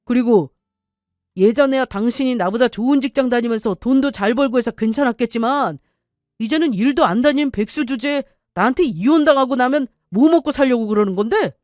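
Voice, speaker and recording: A woman's voice: fairly high pitch, fairly quick, a little mellow, no echo, clean studio sound, pitched above the performer's own voice, close to an everyday voice. A woman voicing a scheming, threatening middle-aged husband in an audio story. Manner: bullying, threatening, defensive.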